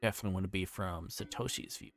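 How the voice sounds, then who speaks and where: A man's voice: low-pitched, fairly even intonation, quick pace, faint music behind. A man livestreaming a visual novel, reading the narration aloud with casual asides and occasionally stumbling over and repeating lines.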